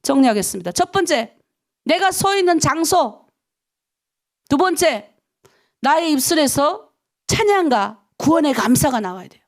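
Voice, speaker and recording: Woman pastor from North Korea, middle-aged, animated dawn sermon, high and swooping, presses listeners with questions. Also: a little slow, pauses often. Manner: lively, emphatic, talks to the congregation with rhetorical questions.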